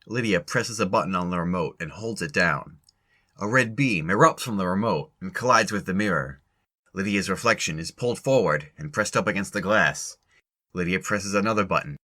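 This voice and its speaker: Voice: low voice, normal speed, bright, forceful tone. A narrator reading scripted story narration for an audio drama.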